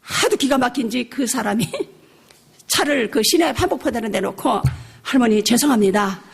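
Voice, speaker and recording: An older woman missionary preaching a revival sermon, telling a personal story with lively acted-out dialogue and frequent laughter. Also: on the high side, a little slow, creaky, slightly rough, faint music behind. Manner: animated storytelling, acting out her own shouting; laughs often while preaching.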